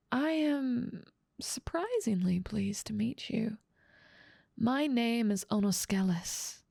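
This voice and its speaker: A woman's voice: mid-range voice, creaky, a little mellow, slightly rough, no room sound, studio quality, heavily acted. A woman playing a haughty, dominant demon lord who mocks and teases the listener in a scripted ASMR roleplay. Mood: imperious. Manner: dominant, amused, mocking, theatrical. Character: haughty, teasing female demon lord ruling part of hell.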